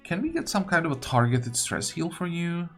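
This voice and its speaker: A man's voice: on the high side, very animated, normal speed, faint music behind. A man giving unscripted game commentary, thinking aloud in a musing, hesitant way as if talking to himself. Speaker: gaming video host.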